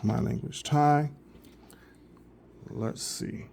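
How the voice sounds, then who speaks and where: A man's voice: a little high, extremely slow, gravelly, a little mellow, a little hiss or hum. A man casually demoing a phone's translation feature in a vlog. He rambles, restarts often and keeps earnestly urging viewers. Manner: rambling and repetitive, with frequent restarts. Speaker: vlogger reviewing a phone. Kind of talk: casual product demo.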